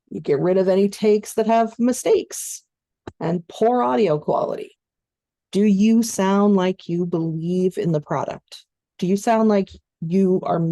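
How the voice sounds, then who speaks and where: Low gravelly woman walking students thru voice over tips, dark voice, dry sound. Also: no room sound. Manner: instructive, conversational, steady explanations with fillers. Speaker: voice-over coach. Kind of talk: online training webinar.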